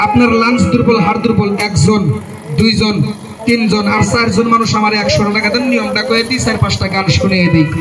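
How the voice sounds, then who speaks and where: A man hawks medicine like a loud carnival barker, his voice pitched very high. He repeats his lines insistently, calling to people passing by. Loud music plays behind him. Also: rough recording. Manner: repetitive, insistent patter, addressing passers-by. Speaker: street medicine seller.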